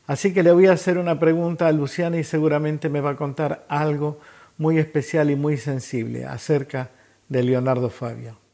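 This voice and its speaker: A man hosts a radio program, introducing songs and a guest. His voice sits a little high for a man. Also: little pitch movement, moderate pace, creaky, mellow. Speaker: radio host.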